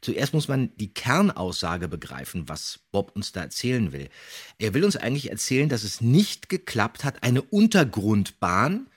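Husky, lively middle-aged man explaining things. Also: mid-range voice, moderate pace. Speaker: podcast host. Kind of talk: animated podcast discussion.

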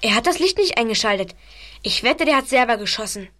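An actress playing an excitable, stubbornly certain teenage girl in a radio play. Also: on the high side, a little fast. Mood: agitated, accusing. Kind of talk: German radio play acting.

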